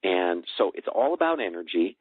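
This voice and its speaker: A man's voice: low voice, sing-song, normal speed, slightly rough, no echo. A middle-aged man speaking as a guest coach in a call interview, feeling for his words and repeating phrases for emphasis. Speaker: guest, personal growth coach and author. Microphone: telephone. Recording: dry, band-limited phone call.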